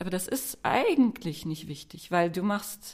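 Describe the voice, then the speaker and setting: A woman talks at a moderate pace, her voice somewhat breathy and her intonation lively. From Belgium, raised in Germany from age four. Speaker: composer and singer. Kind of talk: interview.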